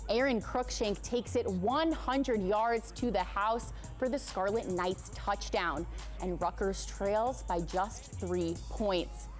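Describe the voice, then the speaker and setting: A woman with an American accent reading a scripted sportscast as anchor. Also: mid-range voice.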